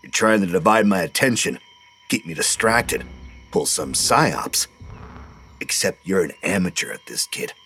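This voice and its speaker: A man voicing a bitter, boastful old male war veteran with a gruff, taunting voice. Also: sits low, animated, measured pace, pushed and bright, a little hiss or hum, exaggerated voice.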